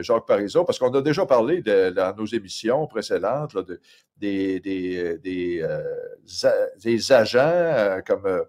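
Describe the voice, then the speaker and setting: A man's voice: on the low side, darkish tone. A man who hosts the show and introduces a guest, stammering through repeated words and many fillers. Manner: halting, heavy stammering and fillers. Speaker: show host. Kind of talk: casual talk-show introduction.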